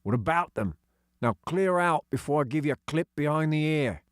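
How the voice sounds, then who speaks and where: A man's voice: fairly high pitch, animated, normal speed, no room sound, studio quality, voice pushed up, natural voice. A man voicing a sneering, threatening adult male digger driver in an audiobook story. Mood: menacing.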